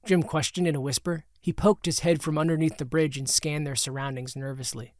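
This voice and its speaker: A man reading his own comic audiobook in an even, matter-of-fact way. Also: a little high, fairly quick, no echo, studio quality. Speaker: author and audiobook narrator. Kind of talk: scripted audiobook narration.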